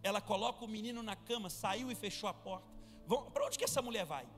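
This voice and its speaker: A man's voice: high voice, fast, a bit bright. A man, a pastor, preaching a fervent live sermon and calling the church to respond. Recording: reverberant church hall with music.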